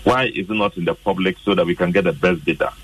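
A Ghanaian lawmaker pressing pointed questions about a contract. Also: male voice, deep voice, steady tone, fast talker, slightly rough, distant mic, low-quality recording. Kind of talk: questioning remarks.

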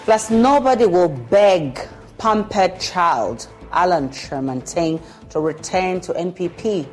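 A woman with a Ghanaian accent reading the news headlines in a measured, formal way. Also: on the low side, lively intonation, a little mellow, faint music behind. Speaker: news anchor.

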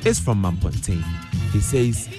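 A man's voice: lowish voice, sing-song, measured pace, over music. A man with a Ghanaian accent narrating a scripted radio news report.

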